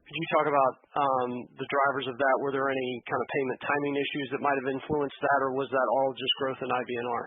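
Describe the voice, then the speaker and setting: A man's voice: mid-range voice, level tone, quick pace, hardly any pauses. A male analyst asking questions on an earnings call. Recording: roomy, narrow-band phone line.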